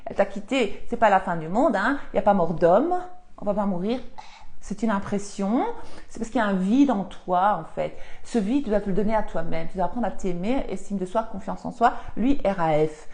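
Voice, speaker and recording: A woman's voice: mid-range voice, darkish tone. A woman, chatting on a live stream from her home office and answering viewer comments as a spiritual coach. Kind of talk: casual live-stream chat.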